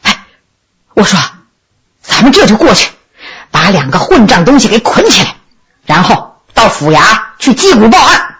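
A man's voice: sits high, big pitch swings, pushed and bright, slight background noise, pitched below the performer's own voice, heavily acted. A woman voicing an anxious, honest old male innkeeper who stammers, sighs and laments tearfully in a storytelling performance. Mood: urgent. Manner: stammering, sighing, drawn-out lamenting.

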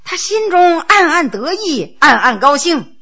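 A woman's voice: high voice, very animated, unhurried, bright, forceful tone, lo-fi sound. A woman telling a court tale in traditional oral storytelling style, with vivid, dramatic narration.

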